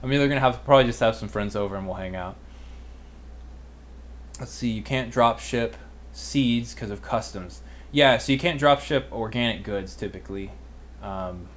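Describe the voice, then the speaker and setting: A man in his twenties with an American accent, chatting casually and informally as he answers viewer questions as a livestream host. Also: mid-range voice. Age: 20s. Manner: informal, youthful slangy phrasing. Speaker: online business livestream host and mentor.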